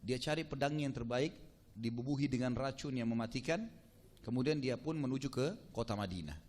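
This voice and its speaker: A man preaching, telling a story to his audience with lively quoted voices and casual asides. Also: a little fast. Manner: animated, acts out quoted speech with shifting pitch. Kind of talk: sermon storytelling.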